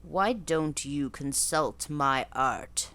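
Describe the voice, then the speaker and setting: A woman voicing a harsh old female gypsy fortune-teller who speaks slowly and deliberately in a low, decided voice. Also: fairly bright tone, heavily acted. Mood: mocking. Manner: slow, low, emphatic pronouncements.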